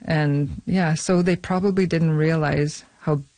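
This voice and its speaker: A woman from Saskatchewan, Canada, answering interview questions about her film in a studio, halting often with fillers and restarts. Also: low voice, steady tone, warm tone, dry recording. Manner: hesitant, many fillers and restarts. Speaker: filmmaker guest. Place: radio studio.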